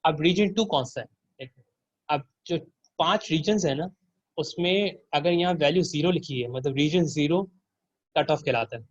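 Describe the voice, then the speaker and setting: A man's voice: a little high, moderate pace, no echo. Guy ta explaining circuit sims to students, asks them questions, kinda muffled lo-fi audio. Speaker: teaching assistant. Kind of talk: online tutorial walking through a circuit simulation.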